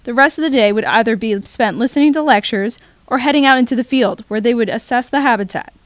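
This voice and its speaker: Teen girl student reporter, steady scripted narration, slightly high voice, dry close recording. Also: quick pace, dry recording. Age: teens.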